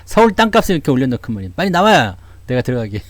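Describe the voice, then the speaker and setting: A man's voice: medium pitch, very animated, fast talker, no room sound. A middle-aged man from Seoul hosting a casual stock-market livestream, chatty and joking, dropping frequent asides as he answers viewers. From Seoul, South Korea. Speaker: stock market YouTube host.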